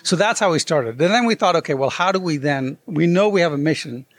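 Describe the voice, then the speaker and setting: A man's voice: fairly high pitch, fast talker. A man as an interview guest, telling a story and acting out the quoted voices. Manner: animated, acts out quoted dialogue. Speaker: guest author. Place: convention.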